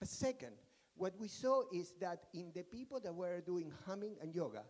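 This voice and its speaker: A man with a non-native accent speaks at a moderate pace in a high voice with lively intonation. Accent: noticeable non-native. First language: Spanish. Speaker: researcher. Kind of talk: conference talk. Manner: hesitant, with fillers.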